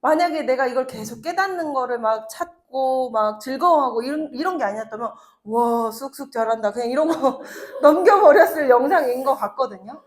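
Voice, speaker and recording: A woman's voice: sits high, expressive, fairly quick, hardly any pauses. A woman in her thirties giving a chatty motivational talk to an audience, telling personal stories with laughs and acted-out quotes. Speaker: network marketing speaker.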